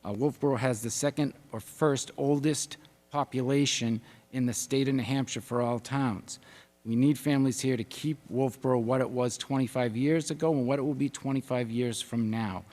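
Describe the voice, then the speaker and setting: A man's voice: medium pitch, darkish tone. Earnest male candidate in a reverberant hall. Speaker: candidate for town board. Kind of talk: forum closing statement. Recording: echoey hall with long reverb.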